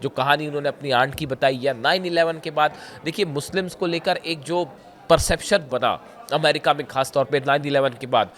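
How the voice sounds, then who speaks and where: A hoarse man giving conversational news commentary straight to his viewers, pausing often and pointing things out as he explains. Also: fairly high pitch, a bit bright. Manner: conversational, often says "dekhiye", frequent filler pauses.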